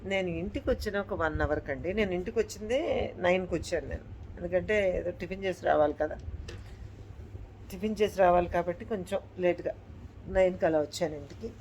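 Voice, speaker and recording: A woman's voice: lowish voice, brisk, darkish tone, a little hiss or hum, rough recording. A woman and channel host telling a true horror story in casual speech, repeating her phrases and addressing listeners politely.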